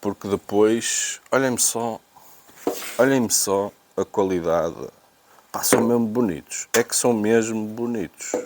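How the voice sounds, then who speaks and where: A man with a European Portuguese accent and a lowish voice talks through a product unboxing. He speaks off the cuff, thinking aloud and often repeating words as he searches for the next one. There is faint noise in the recording. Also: a little slow. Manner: hesitant, repetitive, thinking aloud. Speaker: unboxing video presenter. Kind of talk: casual unscripted product review.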